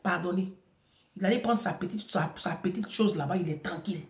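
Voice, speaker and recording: A woman's voice: on the low side, brisk. Preachy middle-aged woman, roomy sound. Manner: emphatic, preachy, repeats phrases for force. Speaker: advice speaker addressing her audience. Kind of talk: impassioned advice monologue.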